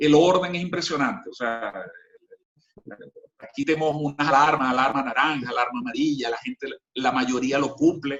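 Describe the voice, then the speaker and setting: A man with a fairly high pitch at a fairly quick pace. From Venezuela, Zulia (Maracaibo). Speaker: real estate businessman. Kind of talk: interview. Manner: hesitant, repeats words.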